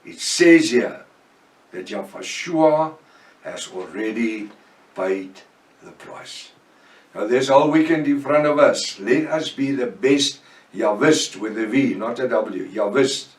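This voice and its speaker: A man's voice: medium pitch, slow pace. A man with an Afrikaans accent, preaching a fervent Bible-study sermon with prayers. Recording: echoey room, voice from far off.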